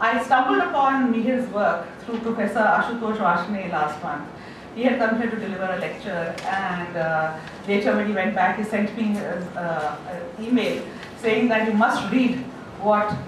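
Woman at a moderate pace with ordinary pitch variation, audible room echo and noticeable background noise. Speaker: event organizer. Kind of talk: formal introduction. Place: hall.

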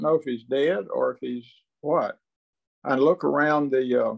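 The speaker has an American accent, heard against a quiet background. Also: man. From northeast Mississippi hill country. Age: 80s+. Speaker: retired air force general and fighter pilot; guest. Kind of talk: interview storytelling. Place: home room. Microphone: video call.

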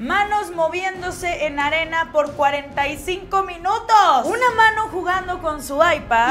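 Over faint music in the background, a woman talks at a fairly slow pace with an extremely high pitch. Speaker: youtuber. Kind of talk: casual vlog commentary. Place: home room.

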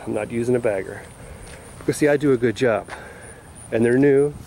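Fairly even intonation, light background noise, and a dry sound with no echo. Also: man. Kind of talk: casual vlog chat. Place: street. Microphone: phone near.

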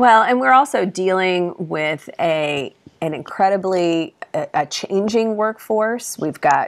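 With an ordinary speaking voice, a woman talks at a fairly low pitch and a fairly slow pace, her intonation lively against a quiet background. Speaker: talk show host. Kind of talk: interview. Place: home room. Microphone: video call.

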